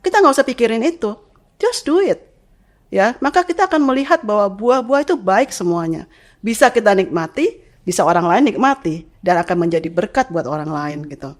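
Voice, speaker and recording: A middle-aged woman, a parent guest on a podcast, telling a lively story and laughing often as she acts out quoted voices. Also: medium pitch, fairly quick. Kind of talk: animated storytelling.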